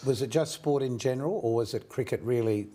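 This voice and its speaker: An older man with a mid-pitched voice hosts an interview. He keeps it conversational, bantering and joking dryly with his guest. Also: a little fast, mellow. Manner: jokey, bantering, dry humour. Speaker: interview host.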